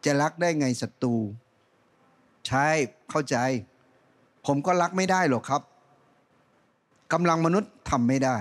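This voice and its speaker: A middle-aged man preaching a sermon on a church stage into a handheld mic, animated, swinging from loud rising calls to soft low asides. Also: measured pace, long pauses. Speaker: pastor.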